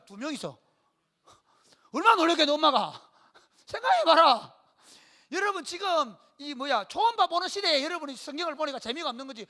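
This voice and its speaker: A male pastor preaching a sermon, telling stories with lively rhetorical questions to his congregation. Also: very high voice.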